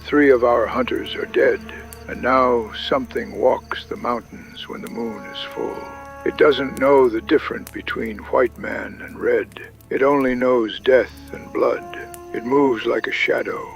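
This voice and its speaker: A man acts out a solemn old tribal chief of the frontier in a radio play. His voice is deeply creaky and gravelly, measured and foreboding, over clear backing music. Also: fairly even intonation, poor audio. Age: older. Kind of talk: audio drama acting. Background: music and night insects.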